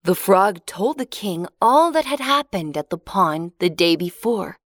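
A woman narrates a children's fairy tale in a clear, expressive storybook voice. Her pitch sits in the middle range. The recording is dry and close. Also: a little slow, no echo.

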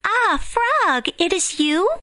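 A woman putting on a high, girlish princess voice. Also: lively intonation, slow pace, full character voice. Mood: pleading. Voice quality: very high and bright. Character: spoiled young princess, girlish and fretful.

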